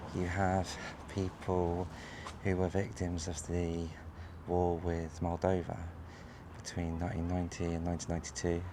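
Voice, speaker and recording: There is audible room echo around a man's voice. He talks at a fairly slow pace with a very deep, low pitch. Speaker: travel vlogger. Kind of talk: travel vlog narration.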